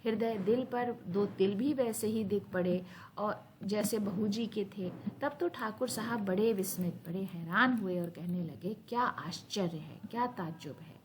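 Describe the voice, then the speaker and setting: A woman's voice: medium pitch, a little slow, a little mellow, a little hiss or hum. A woman reading a story aloud as a Hindi reading lesson, stopping to explain hard words in plainer ones.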